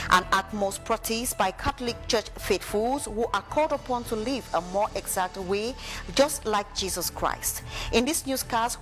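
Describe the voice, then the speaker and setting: A woman reads the evening news headlines in a steady anchor delivery, now and then slipping in a soft "uh". A clear music bed runs beneath her voice throughout. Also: mid-range voice. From Cameroon. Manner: steady reading with occasional uh fillers.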